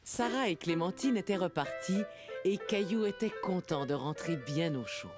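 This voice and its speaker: Children's cartoon narrator, a woman: kindly storytelling, slightly low register, very lively intonation. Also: normal speed, over music, close to an everyday voice.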